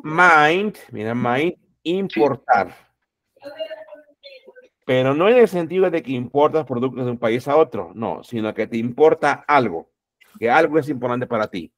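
A man teaching a class, repeating each word and its translation, calling out words loudly and then dropping his voice. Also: medium pitch, lively intonation, measured pace. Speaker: English teacher. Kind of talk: classroom lesson.

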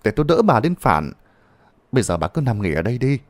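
A man's voice: mid-range voice, sing-song, close to an everyday voice. A man voicing a neighbor woman who chides and fusses over her friend. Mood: chiding. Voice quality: brisk, chiding. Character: fussing neighbor woman, caring and practical.

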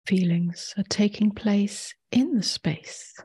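With long pauses and a gentle touch, a woman meditation teacher talks listeners through a guided session. Her medium-pitched voice is soft, breathy, and nearly a whisper.

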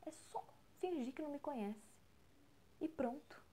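A woman voicing a young man who is ashamed of his mother and tells her off in a rapid, exasperated way. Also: high-pitched, animated, mellow, slight background noise, voice pushed up. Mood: upset.

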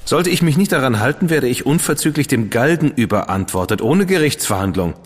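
Sarcastic dandy, cheeky, animated intonation, long reverb. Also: male voice, mid-range voice, husky. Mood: sardonic. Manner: sarcastic, quick-witted, cheeky. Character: witty, defiant dandy, man, adult. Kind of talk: radio play acting.

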